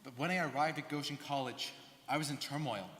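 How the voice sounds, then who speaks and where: A man's voice: a little high, brisk, a bit bright, lightly acted. A young man, a student performer, giving an earnest, rehearsed stage narration of life stories. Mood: earnest recollection. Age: young adult. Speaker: student performer in a dramatic reading. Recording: echoey hall, live stage reading.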